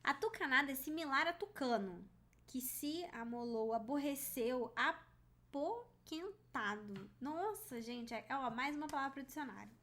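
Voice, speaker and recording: A woman's voice: high voice, expressive, unhurried, a bit bright. A woman giving a casual writing lesson, critiquing a story on screen and reading passages aloud in a chatty, informal way.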